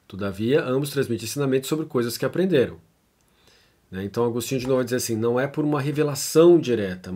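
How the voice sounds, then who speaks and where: A Brazilian man with a medium-pitched, darkish voice gives a relaxed theology lecture, reading a text aloud and offering commentary in a Brazilian Portuguese accent. His style is conversational, with lots of fillers and questions tagged onto his statements.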